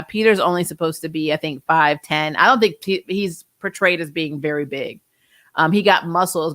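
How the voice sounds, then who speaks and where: Woman, 40s, casual chatty host. Rambling and animated, laughs often, dry close-mic sound. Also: low-pitched, no echo. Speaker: host reading viewer comments. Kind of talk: casual livestream chat.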